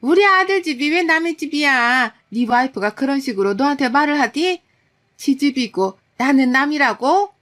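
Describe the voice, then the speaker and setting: A woman voicing a bossy older mother-in-law who scolds in a shrill, indignant way. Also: expressive, normal speed, a bit bright.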